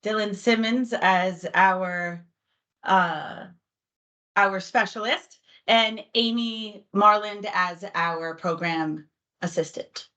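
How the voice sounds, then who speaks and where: A woman's voice: medium pitch, slow pace, bright, forceful tone. A woman from New York, a team manager, introducing herself and her team upbeat on a video call. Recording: dull lo-fi video call audio.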